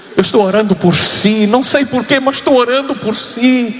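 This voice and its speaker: A man speaks over noticeable background noise. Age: 70s. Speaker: retired pastor. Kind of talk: sermon.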